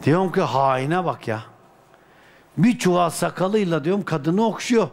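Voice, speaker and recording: A man from Turkey, a dervish, telling a personal anecdote in a colloquial, lively way with folk sayings. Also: a little high, measured pace, a little hiss or hum. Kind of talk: casual spoken anecdote.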